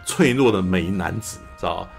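A man from Taiwan, co-hosting a podcast and chatting casually about a film, animated, acting out scenes and often saying "you know". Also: deep voice, normal speed, creaky, faint music behind. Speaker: podcast co-host. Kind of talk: casual film review chat.

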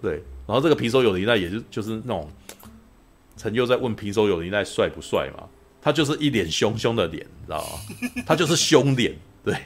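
A man's voice: lowish voice, lively intonation, brisk, husky. A man, hosting a podcast in casual chat, rambling and laughing often, tagging "you know" onto his sentences. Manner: rambling, constant "you know" tag questions, frequent laughter. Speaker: podcast host reviewing a film.

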